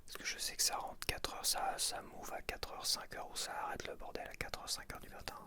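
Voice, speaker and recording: A man whispering casual ASMR from his apartment, soft throughout, with grumbling asides. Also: fairly quick. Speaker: ASMR creator.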